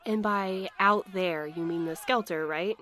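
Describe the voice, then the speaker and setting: A woman's voice: mid-range voice, a little slow, a bit bright, close to an everyday voice. A woman playing an earnest, hopeful courier in an audio drama, polite and inquisitive.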